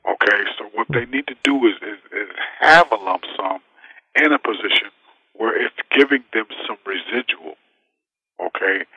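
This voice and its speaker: Male guest advisor, emphatic, sharp tense tone, dry sound. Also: fairly low pitch, lively intonation, normal speed, slightly rough, dry recording, highs cut off. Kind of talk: interview answers.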